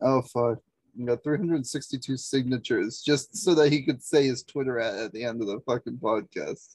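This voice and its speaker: A man with an American accent speaks in a normal speaking voice at medium pitch and a moderate pace, with ordinary pitch variation and dry, close sound with no echo. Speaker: podcast co-host. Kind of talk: casual banter, profane. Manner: joking, rambling.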